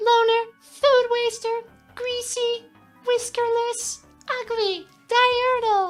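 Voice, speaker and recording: Shouting in a put-on character voice, a woman hits an extremely high pitch with monotone, flat intonation. She goes at a very slow pace with long, frequent pauses over faint background music. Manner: screaming insults.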